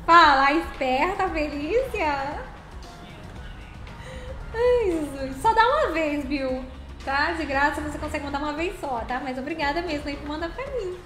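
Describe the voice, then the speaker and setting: A woman's voice: high-pitched, lively intonation, measured pace, pushed and bright, roomy sound, faint music behind. A woman hosting a casual live stream while playing a game, chatty and thanking viewers by name.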